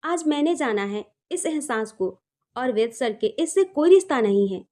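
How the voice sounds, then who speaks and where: A woman's voice: lively intonation, moderate pace, warm tone. A woman voicing a heartbroken young woman who blames herself, asking pained questions through tears. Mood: resigned. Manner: pleading, questioning, rising pitch when upset. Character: heartbroken young woman, tearful, self-blaming.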